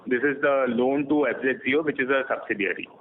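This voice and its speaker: A man with an Indian accent answering as a company finance executive on an earnings call, hesitant, often pausing and correcting himself. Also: mid-range voice. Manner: halting, hesitant, many pauses and self-corrections. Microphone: conference phone call. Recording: narrowband phone line with faint noise.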